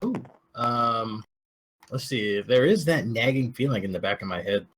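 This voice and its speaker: A man's voice: mid-range voice, animated, moderate pace, a bit bright, slight background noise. A man chatting casually as a player in a tabletop game.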